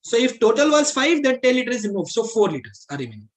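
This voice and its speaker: With a very high voice, big pitch swings and a quick pace, a South Asian-accented man teaches an aptitude class. He explains each step, repeats key points, switches between English and Hindi, and keeps checking whether students follow.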